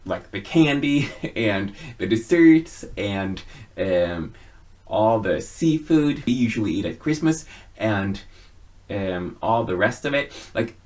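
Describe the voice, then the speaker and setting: A man giving a casual personal monologue to viewers in an earnest, halting way, with frequent pauses. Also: fairly low pitch, lively intonation, a little mellow. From Sweden. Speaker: video blogger.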